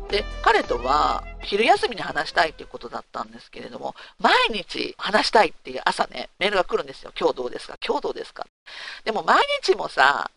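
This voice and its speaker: A woman's voice: mid-range voice, vocal fry. A woman hosting a talk segment, telling a personal story candidly and casually, asking her listeners rhetorical questions. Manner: frank and animated, asks listeners rhetorical questions.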